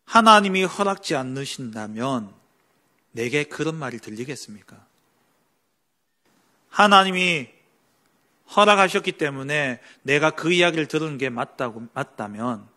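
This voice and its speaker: Bright-voiced preaching man. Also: medium pitch, expressive, normal speed. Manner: emphatic preaching with rhetorical questions. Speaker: pastor. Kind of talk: Sunday sermon.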